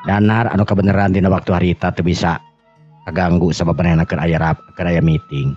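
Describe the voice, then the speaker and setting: A man with a Sundanese accent and a gravelly, husky voice, telling a serial drama in an unhurried, conversational way. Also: sits low, steady tone, darkish tone. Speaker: storyteller and channel host. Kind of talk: oral storytelling of a serial folk drama. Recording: muffled recording with music underneath.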